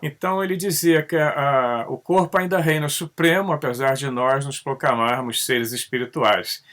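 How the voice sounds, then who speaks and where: A man talks in a loose, conversational monologue, his voice sitting at a middling pitch. He keeps checking in with a questioning "né" and his delivery rises and dips animatedly as he goes. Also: moderate pace. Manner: conversational, tags sentences with "né?"; animated, pitch rising and dropping often. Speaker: channel host. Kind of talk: casual monologue on ufology.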